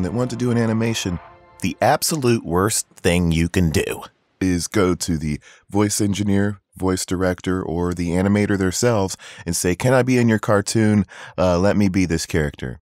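A man with a low voice gives casual, emphatic advice to beginners. He repeats points for stress, and the sound is dry and close. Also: normal speed, darkish tone, dry recording, soft background music. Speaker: voice acting tips host.

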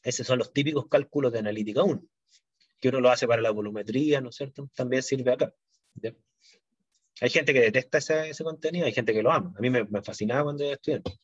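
A man's voice: medium pitch, quick pace, husky, no room sound, muffled recording. A middle-aged man lecturing on chemistry to a university class, explaining step by step and checking in with his students often. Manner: explanatory, frequent "¿no es cierto?" and "¿ya?" check-ins.

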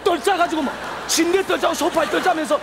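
Pompous, high-voiced would-be city slicker. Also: male voice, fast talker, vocal fry, crowd noise. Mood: excited lecturing. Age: young adult. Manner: pompous, exaggerated lilting sentence endings. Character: self-important provincial young man posing as a Seoul sophisticate. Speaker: sketch comedian. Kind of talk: stage sketch comedy. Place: large theatre stage, indoors. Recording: noisy live TV stage with audience.

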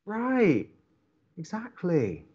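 An actor playing an earnest, awkward young college radio co-host in a romantic comedy podcast, hesitant and stammering. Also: male voice, sits high, wildly swooping pitch, very slow, a little mellow, husky, highs cut off, exaggerated voice. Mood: anxious, reassuring. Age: young adult.

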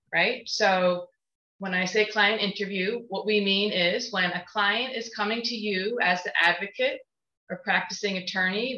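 A middle-aged American woman, a visiting law professor, introduces a course in a measured way, with frequent ums and "right?" checks, from an office on a shared webcam mic. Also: mid-range voice, bright, forceful tone. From New York State, USA. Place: office, seated at a desk beside a colleague. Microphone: shared webcam mic on a video call. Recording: roomy, dull video-call audio.

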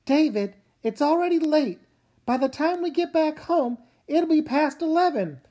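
A woman's voice: high voice, expressive, unhurried, mellow. A woman voicing a firm, worried mother in a dramatic comic read-aloud. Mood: impatient.

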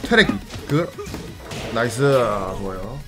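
Excitable man streaming a fighting game. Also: medium pitch, slow pace, over music. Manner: excitable, self-mocking play-by-play with sudden yelps. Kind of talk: live fighting game commentary.

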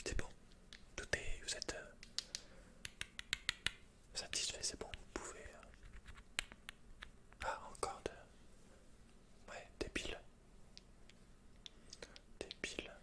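A young man doing an ASMR roleplay as a shopkeeper, speaking haltingly and with understatement, close to the mic. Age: young adult. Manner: hesitant, halting, understated delivery.

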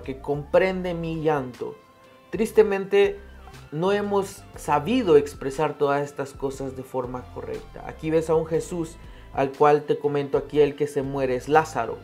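A man giving an earnest, emphatic devotional talk with frequent pauses, reading a Bible passage as a Christian speaker. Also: on the high side, darkish tone.

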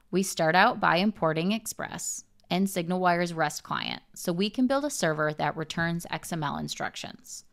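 Tutorial presenter: young woman, lowish voice with vocal fry, measured scripted technical read.

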